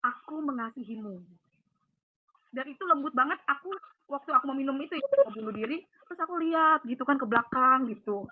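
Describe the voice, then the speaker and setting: A woman tells her faith testimony over a call, in an emotional, rushed, vivid way. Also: high-pitched, lively intonation. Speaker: guest giving a faith testimony. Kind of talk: casual storytelling over a call. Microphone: phone or video call. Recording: tinny phone line with faint hiss.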